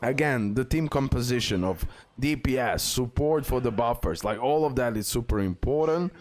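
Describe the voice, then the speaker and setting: A man's voice: mid-range voice, lively intonation, normal speed, a little mellow. A man giving casual video game tutorial commentary as a guide host, with non-native English phrasing and a habit of repeating himself.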